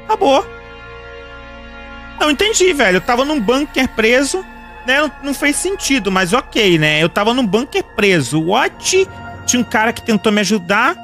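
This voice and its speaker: A young Brazilian man streams a horror game and gives let's play commentary. His voice runs high, and he calls out to his chat with excitable, panicky exclamations. Faint music plays under his voice. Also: normal speed. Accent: Brazilian Portuguese. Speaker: gaming streamer.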